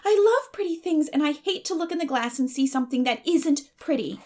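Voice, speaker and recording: A woman's voice: high-pitched, lively intonation, brisk, a little mellow, pitched above the performer's own voice. A woman voicing a dreamy, earnest, talkative young orphan girl in a gushing, dramatic audiobook reading. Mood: aggrieved.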